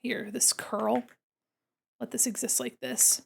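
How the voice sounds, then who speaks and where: Slow and very animated, this woman's slightly high voice is creaky and fairly bright, with slight background noise. Stuffed up with a cold, she draws on stream, chatting easily with her viewers, responding to questions from chat and murmuring to herself while working.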